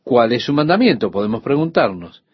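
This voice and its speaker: A man's voice: mid-range voice, big pitch swings, fairly quick, breathy edge, no room sound, dull audio. An older man, a pastor, giving a radio sermon in an earnest teaching tone with rhetorical questions to the listener.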